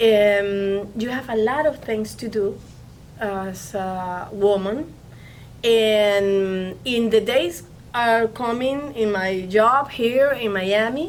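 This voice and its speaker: Audible room echo surrounds a woman speaking very slowly in a Spanish accent. Her fairly high pitch shows ordinary variation. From Venezuela. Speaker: film producer. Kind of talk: interview. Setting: studio. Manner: halting, many repetitions.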